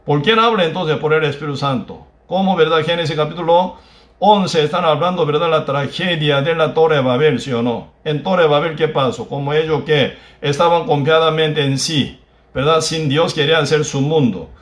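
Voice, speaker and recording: A Korean man who is a native Korean speaker preaches a sermon with a Korean accent. He speaks in halting, broken phrases and keeps adding tag questions. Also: on the high side, reverberant. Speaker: pastor. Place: church.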